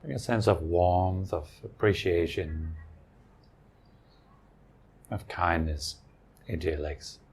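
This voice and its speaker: A man leading a guided meditation as a teacher, speaking in a gentle, soothing, unhurried way with long pauses. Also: low voice, husky.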